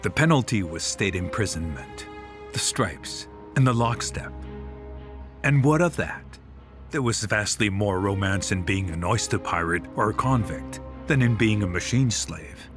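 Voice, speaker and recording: Documentary quote reader: proud outlaw adventurer, literary delivery, fairly low pitch, music beneath. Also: male voice, animated, measured pace. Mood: defiant romantic. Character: adventurous, proud young man recalling his outlaw youth. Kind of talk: dramatic first-person reading in a documentary. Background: music bed.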